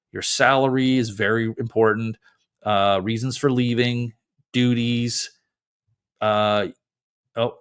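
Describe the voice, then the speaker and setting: A man's voice: fairly low pitch, a bit bright. A man from Canada, a disability lawyer, explaining a form in a casual walkthrough with fillers and self-corrections.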